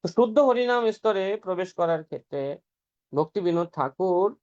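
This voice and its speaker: A man's voice: high-pitched, expressive, moderate pace, a little mellow. A man giving an earnest devotional scripture talk, explaining step by step and chanting some passages aloud. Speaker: preacher. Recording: dull lo-fi recording.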